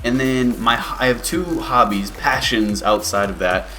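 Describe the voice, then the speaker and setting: A man's voice: medium pitch, measured pace. Young man chatting casually, music behind. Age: 20s. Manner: relaxed, rambling, many fillers. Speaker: YouTuber. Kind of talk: casual Q&A vlog.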